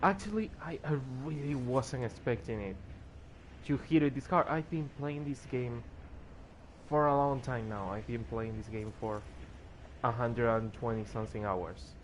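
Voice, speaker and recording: A man's voice: mid-range voice, moderate pace, slight background noise. A tired man streaming a game, losing his voice and rambling as he plays, with faint music behind him. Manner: rambling, restarts when moved. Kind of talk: casual gameplay commentary.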